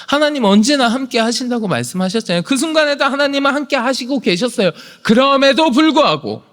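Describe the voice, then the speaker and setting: A male pastor preaching a sermon, swinging from hushed whispers to shouted proclamation. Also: very high-pitched, expressive, fast. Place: church sanctuary. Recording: long hall reverb.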